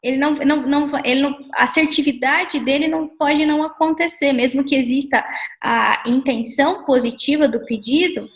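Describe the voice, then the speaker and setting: A woman's voice: sits high, a little fast, poor audio. A woman in a conversational talk, answering thoughtfully with hesitant restarts and fillers. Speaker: conversation partner.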